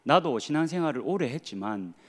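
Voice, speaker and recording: A man's voice: a little high, lively intonation, brisk. A man in his thirties, a pastor with a Gyeongsang Korean accent, preaching a sermon earnestly with rhetorical questions and dry humor. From Gyeongsang region of Korea.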